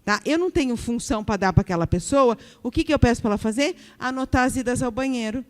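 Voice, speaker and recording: A Brazilian woman with a bright, high voice leads a training session on workplace harassment. She talks straight to her audience, checking in often and acting out the remarks she warns against. Her voice rings with a long reverb from a large lecture hall. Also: quick pace. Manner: keeps checking in with the audience, acts out example remarks.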